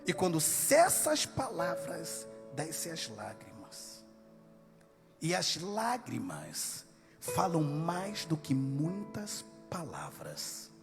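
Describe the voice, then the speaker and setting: A man with a Brazilian accent preaching a sermon in a church, impassioned, swinging from soft to shouted. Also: on the high side, wildly swooping pitch, takes it slowly, vocal fry, big-room sound, over music.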